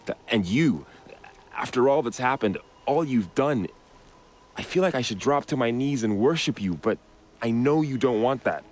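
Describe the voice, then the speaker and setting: Man playing a deep-voiced, solemn tribal warrior. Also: a little hiss or hum, natural voice. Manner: solemn, measured, sincere. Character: earnest, reverent foreign tribal warrior, young man. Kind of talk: video game cutscene acting.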